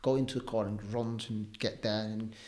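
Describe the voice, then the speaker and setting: A man's voice: on the low side, moderate pace. A young man from Spain, a padel coach, talking casually in an interview with many fillers. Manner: relaxed, chatty, many fillers like "um" and "like".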